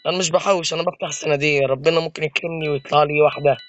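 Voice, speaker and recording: A man's voice: on the high side, fairly even intonation, very fast, highs cut off, faint music behind. A man with an Egyptian accent giving live gameplay commentary, complaining to his viewers in an exasperated, joking way. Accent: Egyptian Arabic. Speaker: gaming video creator.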